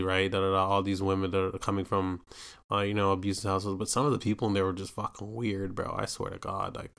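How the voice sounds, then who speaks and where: A man's voice: lowish voice, creaky, a bit bright, clear, resonant tone. A young man from Canada, hosting a podcast and telling a rambling personal story, full of filler tags and swearing, acting out what people said. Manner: acts out quoted voices animatedly. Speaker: podcast host. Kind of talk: casual storytelling monologue.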